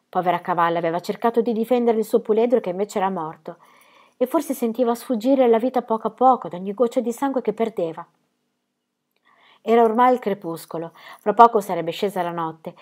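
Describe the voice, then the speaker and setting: A woman reading a children's story aloud, measured and expressive, with hushed, sad passages. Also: medium pitch. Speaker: narrator.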